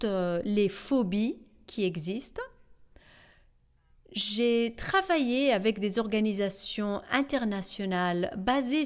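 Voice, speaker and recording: A woman voicing a panel discussion in a measured, deliberate way, with small hesitations. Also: medium pitch. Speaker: voice-over translator.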